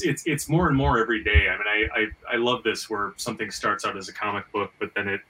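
A man's voice: fairly low pitch, sharp tone. A man hosting a casual podcast discussion, talking in an enthusiastic, rambling way with repeated stammers, recorded at some distance from the mic. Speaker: podcast host and comic book writer.

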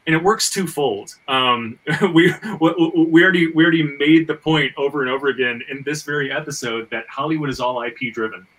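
A man's voice: fairly high pitch, brisk, hardly any pauses, fairly bright tone, distant mic, poor audio. A man hosting a casual panel talk, repeating and stammering over words as he reasons aloud. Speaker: podcast host; screenwriter and fiction writer. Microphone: video call.

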